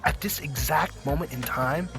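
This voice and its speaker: Cocky young racer over music. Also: male voice, on the high side, moderate pace, vocal fry. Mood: confident. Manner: breezy, boastful, slangy. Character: cocky young male scooter racer, sure he'll win. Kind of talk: acted audio drama dialogue.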